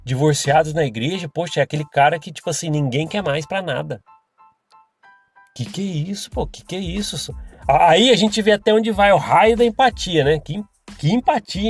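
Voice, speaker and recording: A man's voice: on the high side, animated, a little fast, soft background music. A Brazilian man hosting a podcast and talking casually, rambling with restarts and chuckles. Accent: Brazilian Portuguese. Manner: chatty, rambling, with frequent restarts and laughs. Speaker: podcast host.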